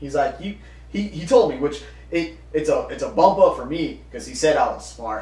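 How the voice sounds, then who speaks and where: Someone with an American accent talks at a moderate pace, loudness swinging widely, with audible room echo and noticeable background noise. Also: man. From Texas. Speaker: podcast co-host. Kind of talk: casual chat.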